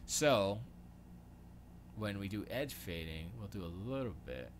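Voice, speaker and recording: A man from Florida with a lowish voice hosts a laid-back livestream from his home studio. He thinks aloud as he works, muttering questions to himself and letting sentences trail off. A steady hiss of noise sits clearly under the recording. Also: unhurried. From Florida, USA. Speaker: livestream host.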